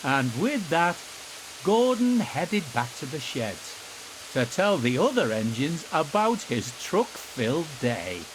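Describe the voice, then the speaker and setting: Very animated male storyteller. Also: fairly high pitch, slow, noisy background. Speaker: storyteller narrator. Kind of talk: scripted children's story narration.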